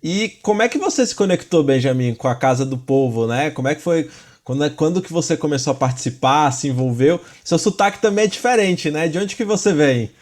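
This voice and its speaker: A man's voice: on the high side, expressive, brisk, a little mellow. A man hosting a podcast, introducing his guest and asking questions in a friendly, upbeat way. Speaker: podcast host. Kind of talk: podcast interview.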